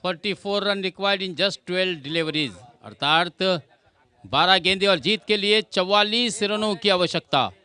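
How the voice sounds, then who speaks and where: A man's voice: high voice, slow pace, sharp tone, clean tone. A man giving live cricket commentary, explaining the play and addressing viewers as friends.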